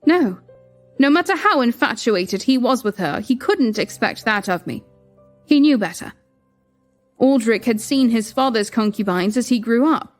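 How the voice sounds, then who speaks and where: A young woman narrating in first person as a queen, measured and reflective. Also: fairly high pitch, animated. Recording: music bed behind.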